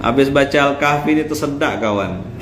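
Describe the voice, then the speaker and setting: Animated preacher in an echoey hall. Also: male voice, mid-range voice, a little fast, crowd noise. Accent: Pontianak Malay. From Indonesia. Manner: joking, animated, acts out voices of husbands and fathers. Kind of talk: lively sermon.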